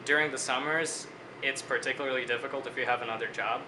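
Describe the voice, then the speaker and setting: A man's voice: mid-range voice, steady tone, background noise. Articulate young man in an echoey room. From Bangladesh. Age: 20s. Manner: measured, articulate, reflective. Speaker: student interviewee. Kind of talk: interview answers.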